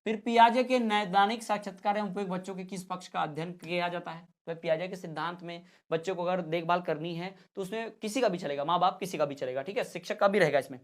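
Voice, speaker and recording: A man's voice: high voice, quick pace, hardly any pauses. A male teacher giving an exam-prep lecture. He asks each question, answers it, then repeats the answer plainly and steadily. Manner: plain, steady classroom explaining.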